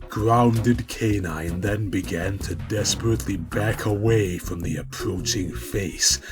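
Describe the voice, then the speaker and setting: A man with a lowish voice narrates a mock-epic story. His delivery is very slow, pompous and grandly dramatic, treating every phrase as momentous. Music plays clearly behind him. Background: prominent music.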